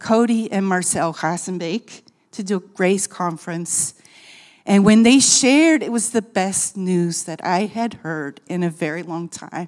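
A plain, everyday voice from a woman with an American accent, medium in pitch with ordinary pitch variation, at a fairly slow pace, on a very clean recording with a silent background. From US Midwest. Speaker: missionary preacher. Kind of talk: testimony. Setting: church.

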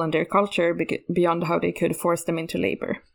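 This woman has a Swedish accent and a fairly low voice. She talks at a fairly quick pace in a very clean recording with a silent background. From northern Sweden. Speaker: podcaster and fan blogger. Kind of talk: podcast analysis discussion.

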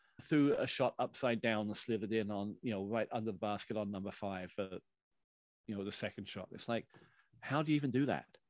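In a very clean recording with a silent background, a man with a plain, everyday voice speaks at a fairly low pitch, fairly quick pace and ordinary pitch variation. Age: 50s. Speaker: podcast host. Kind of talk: casual chat.

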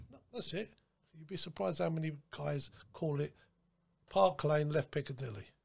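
A man's fairly high, somewhat breathy voice with lively intonation, big swings in loudness, and long, frequent pauses. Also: moderate pace. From South London, Tooting. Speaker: veteran taxi driver. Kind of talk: casual chat. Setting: studio.

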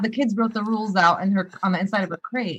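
A woman with an American accent, somewhat breathy and at a fairly quick pace. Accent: sounds American. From Jordan. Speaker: mother of four, dog owner. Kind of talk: casual chat.

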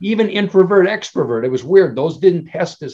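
A man talks with lively intonation in a dark, mellow tone that is somewhat breathy. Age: 60s. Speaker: psychology professor. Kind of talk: interview.

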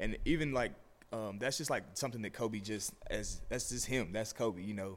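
A man speaks at a moderate pace in a plain, everyday voice. His pitch sits in the medium range, with ordinary variation. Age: 20s. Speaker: entrepreneur and fitness expert. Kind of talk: interview answers. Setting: live at theater.

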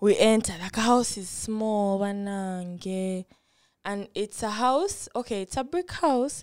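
A very clean, silent-background recording of a woman, fairly high in pitch, very slow in pace, with ordinary pitch variation. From Uganda, Fort Portal. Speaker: podcast guest. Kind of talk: casual storytelling chat.

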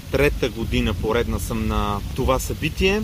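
Over noticeable background noise, a man with a very deep, low pitch speaks with very wide pitch swings. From Bulgaria, Sofia. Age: 30s. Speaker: political activist, small business owner. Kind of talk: casual interview. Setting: outdoors in a park.

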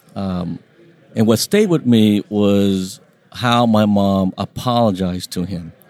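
The speaker talks with a Southern Californian accent and ordinary pitch variation. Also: man. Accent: Southern California American. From Long Beach, California, US (Vietnamese family). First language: Vietnamese. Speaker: trial attorney. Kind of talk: podcast interview. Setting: convention hotel recording.

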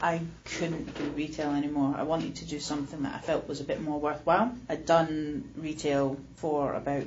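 At a moderate pace, a woman talks with fairly even intonation. Her voice sits very deep and low in pitch. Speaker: mature student.

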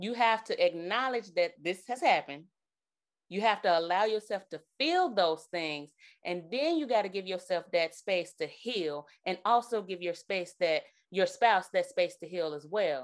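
A plain, everyday voice from a woman with an American accent, medium in pitch, with lively intonation and a fairly slow pace. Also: quiet background. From Birmingham, Alabama (US South). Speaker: marriage coach, former Marine. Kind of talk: interview conversation.

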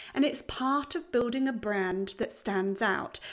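Speaking slowly in a British accent, a woman uses a fairly high voice at a fairly slow pace. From Britain. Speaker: podcast host, brand messaging coach and copywriter. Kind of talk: solo podcast tutorial.

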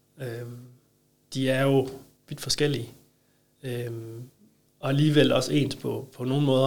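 A man at medium pitch with vocal fry, a monotone, flat intonation and a moderate pace, amid audible room echo. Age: 40s. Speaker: football fitness coach. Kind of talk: interview. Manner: hesitant, many filler sounds.

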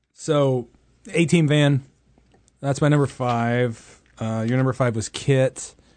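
A man at medium pitch and a very slow pace, against a quiet background. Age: 40s. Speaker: podcast co-host. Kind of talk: casual chat. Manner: animated.

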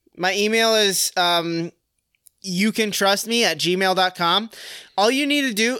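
Here a man speaks at a fairly slow pace in a raised, projected voice. His pitch is high, with a bright, sharp tone and ordinary pitch variation. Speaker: podcast co-host. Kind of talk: casual banter. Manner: joking, chatty.

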